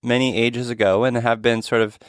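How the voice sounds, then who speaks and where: A man hosting a podcast about mental health, talking in an earnest, gentle way with frequent restarts and fillers. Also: medium pitch, flat delivery, a little fast, dry recording, clean studio sound. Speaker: podcast host. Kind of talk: casual podcast chat.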